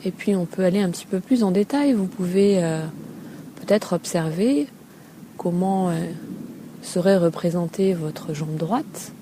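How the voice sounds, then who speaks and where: A woman with a soft, muted, fairly low voice leads an unscripted relaxation lesson, guiding a body scan in the Feldenkrais style beside a calm sea. Her pace is gentle and unhurried, with hesitant pauses between brief phrases. The recording carries constant sea ambience with occasional seagulls.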